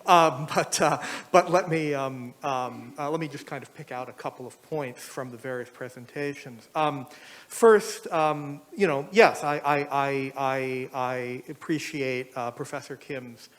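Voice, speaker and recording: A man's voice: mid-range voice, measured pace, fairly bright tone. A middle-aged male professor speaking as a panel discussant, hesitant, with many fillers and restarts. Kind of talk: academic panel remarks.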